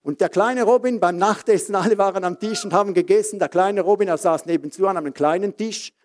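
A man with a Swiss German accent preaching a sermon as an evangelist. He reads scripture slowly with stress on key phrases and calls out amen and hallelujah. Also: sits high. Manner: lively anecdotes with laughs.

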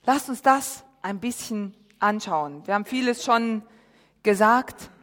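A woman pastor preaching a sermon in a church hall, talking with emphasis and swinging between loud and hushed. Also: mid-range voice, lively intonation, a little slow. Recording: reverberant hall.

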